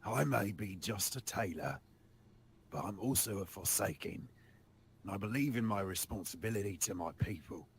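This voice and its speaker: A man playing a solemn, loyal undead tailor in a tabletop game, speaking formally and haltingly. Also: lowish voice, lively intonation, creaky, a little hiss or hum. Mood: solemn resolve.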